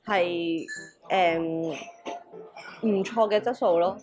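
A young woman with a Hong Kong Cantonese accent, narrating a travel vlog in a chatty, excitable way and exclaiming over food. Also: lowish voice, very slow. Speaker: travel vlogger. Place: restaurant table, indoors. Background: background music.

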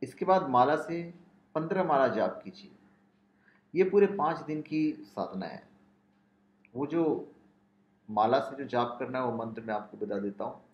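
Male host, unhurried, reads lists in a chant-like cadence; echoey, muffled home recording. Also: mid-range voice. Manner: measured, listing names one by one in a chanting cadence. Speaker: spiritual channel host. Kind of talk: explaining a ritual and reciting mantras. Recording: roomy, dull lo-fi sound.

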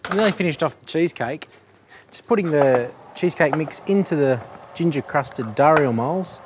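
A man's voice: on the high side, animated, normal speed, noisy background. A man, a chef host walking through a dessert recipe on a studio kitchen set. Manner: matter-of-fact, step-by-step. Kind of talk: cooking demonstration.

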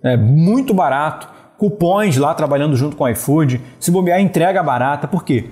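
A man in his thirties from Brazil, talking straight to camera and giving business advice with animated hand gestures, often checking in with the viewer. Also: fairly high pitch, moderate pace, soft background music. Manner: animated, gesturing, steady talk punctuated with "né?" and "beleza". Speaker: e-commerce business coach. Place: small indoor room with wooden slat wall. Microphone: wired earphone headset mic.

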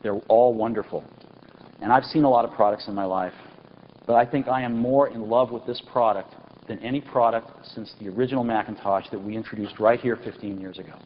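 A man in his forties giving an enthusiastic product launch keynote on a large auditorium stage, pausing for effect and stressing key words. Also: lowish voice, steady tone. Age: 40s. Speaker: company executive presenting a product keynote. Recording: dull lo-fi 1999 event recording with faint hiss.

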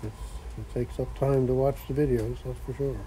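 Man, folksy workshop vlog, dark voice, phone camera, slight background noise. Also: mid-range voice, fairly even intonation, poor audio. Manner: slow, rambling and folksy. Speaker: vlogger. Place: cluttered home workshop garage.

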